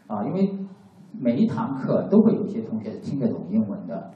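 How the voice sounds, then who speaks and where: Guy interpreting a class, lots of uhs, low dark voice, dull muffled sound, really echoey. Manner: hesitant, full of fillers. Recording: dull, echoey, far from mic.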